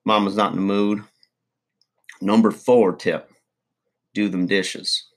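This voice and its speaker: A man's voice: on the low side, little pitch movement, slow. A man playing a crude, boastful middle-aged redneck uncle, rambling folksy advice in a comedy monologue.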